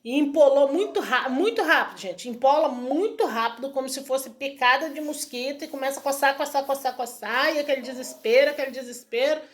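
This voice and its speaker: A woman's voice: high-pitched, brisk, few pauses. A woman telling a casual testimonial to camera in a chatty, repetitive way, retelling conversations. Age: adult student. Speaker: vlogger sharing a home remedy.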